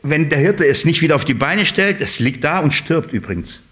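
A man preaching a sermon to his congregation, lively, playfully acting out voices of shepherds and sheep, with his voice rising and dropping. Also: fairly high pitch, brisk.

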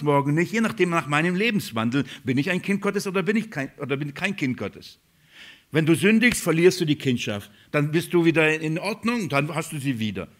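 A man preaching a sermon, stressing key words, asking rhetorical questions and dropping to quiet lines. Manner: swings from loud stress to quiet lowered lines.

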